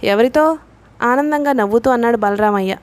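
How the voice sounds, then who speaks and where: A woman reading a novel aloud in a steady, measured way, voicing the dialogue herself. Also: fairly high pitch. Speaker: audiobook narrator.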